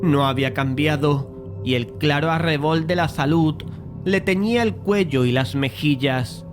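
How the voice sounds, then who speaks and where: A man playing a polite, easily frustrated painter who narrates a dramatized horror audiobook in a measured, literary way. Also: a little high, over music, close to an everyday voice. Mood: measured, uneasy.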